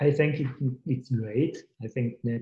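A man at a fairly slow pace, somewhat breathy, with ordinary pitch variation. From Romania. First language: Romanian. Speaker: podcast host. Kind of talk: interview. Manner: halting.

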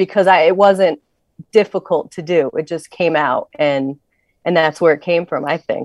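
An ordinary speaking voice from a woman, fairly low pitch, moderate pace, dry, close sound with no echo and a quiet background. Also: ordinary pitch variation. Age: 30s. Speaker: grief advocate and author. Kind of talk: casual interview.

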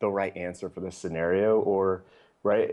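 An unremarkable speaking voice from a man, fairly low in pitch, at a moderate pace against a quiet background. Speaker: business executive. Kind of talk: interview.

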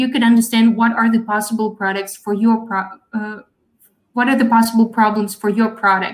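Intonation stays fairly even in a somewhat breathy voice. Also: woman. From Russia. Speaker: inspection company account manager. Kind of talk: webinar presentation.

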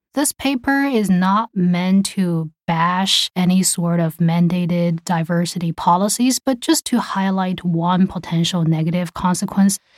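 A woman with a medium pitch and somewhat breathy voice talks at a fairly slow pace with hardly any pauses, ordinary pitch variation and very even loudness, in a dry, close sound with no echo. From China, then India, then US. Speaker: finance researcher. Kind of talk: interview.

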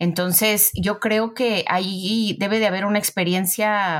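A woman with a normal speaking voice, medium pitch, fairly even intonation and a moderate pace, on a very clean recording with a silent background. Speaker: radio host. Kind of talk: casual chat.

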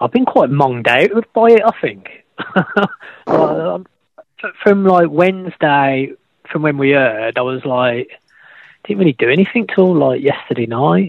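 With a Birmingham accent, a man speaks at a fairly slow pace, leaving long, frequent pauses. His fairly high voice moves through very wide pitch swings. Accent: Brummie. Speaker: caller. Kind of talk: casual chat.

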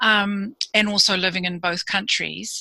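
A woman's voice with a bright, sharp tone. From Pacific Islands (Samoa, Fiji). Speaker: community governance leader, former executive director. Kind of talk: casual interview conversation.

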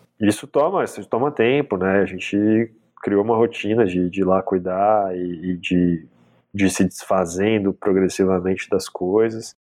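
Over a quiet background, a man speaks fairly slowly at a fairly low pitch with ordinary pitch variation. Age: 30s. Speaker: journalist and press officer. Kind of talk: interview. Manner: halting.

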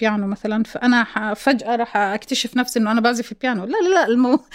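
A woman with a fairly high voice and ordinary pitch variation is heard on a very clean recording with a silent background. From Kuwait and Jordan. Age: 40s. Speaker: heart transplant recipient. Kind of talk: personal testimony interview.

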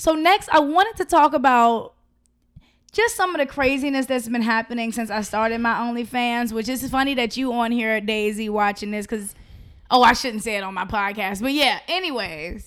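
Loud and high-pitched, a woman speaks at a moderate pace with lively intonation in a very clean recording with a silent background. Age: 20s. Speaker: podcast host. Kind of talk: casual chat. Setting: studio, streamed live.

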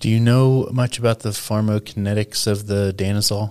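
In a very clean recording with a silent background, a man speaks at a moderate pace in an unremarkable speaking voice. His pitch is fairly low and his intonation fairly even. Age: 30s. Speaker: podcast host. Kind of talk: podcast interview.

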